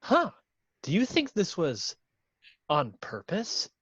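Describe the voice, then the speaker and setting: Dull, dry lo-fi audio carries a woman playing a befuddled gentleman at a party. The voice swoops in pitch, stiffly polite and bemused, in a comedy sketch reading. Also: huge pitch swings, slow pace, husky, dry recording, heavily acted. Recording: dull, lo-fi video-call audio.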